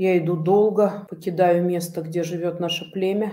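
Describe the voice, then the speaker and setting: A woman speaks at a medium pitch and moderate pace. Her intonation is monotone and flat. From Tatarstan, Russia. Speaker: past-life regression client. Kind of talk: regression session narration and interview.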